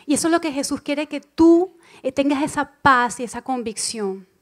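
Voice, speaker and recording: A woman preaching a sermon to a church congregation, emphatic and expressive, repeating key phrases and acting out inner voices. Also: high-pitched, moderate pace. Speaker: church speaker.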